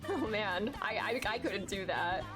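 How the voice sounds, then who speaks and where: A woman's voice: mid-range voice, unhurried, over music. A young woman streaming a game, chatting casually with viewers, with a congested voice and lots of filler likes. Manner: chatty, many filler likes, excited outbursts at finds. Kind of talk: casual gameplay chat with viewers.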